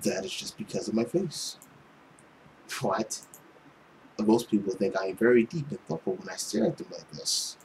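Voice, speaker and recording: Dashing young nobleman, acted by a male gamer: low, hushed, hesitant, vain yet polite, visual-novel game reading with clear background noise. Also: very animated, normal speed, pauses often, poor audio. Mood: self-satisfied. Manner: hesitant, soft-spoken.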